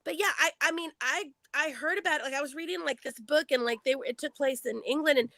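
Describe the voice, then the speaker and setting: A middle-aged woman chatting with friends on a live video call, telling stories in an animated way with lots of repeats and laughter. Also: high-pitched, quick pace, creaky, no room sound, studio quality. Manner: animated storyteller, repeats words, laughs often. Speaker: guest on a live chat. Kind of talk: casual chat among friends.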